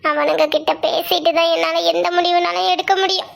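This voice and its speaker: A woman voicing a firm, decisive grandmother who speaks in a steady, reassuring way. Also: extremely high pitch, brisk, gravelly, exaggerated voice. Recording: soft music underneath.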